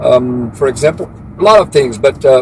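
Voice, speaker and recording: There is noticeable background noise behind the speaker. A man talks at a moderate pace with a Brazilian Portuguese accent. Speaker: field engineer. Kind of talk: casual vlog monologue. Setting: in a car. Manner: hesitant, many fillers.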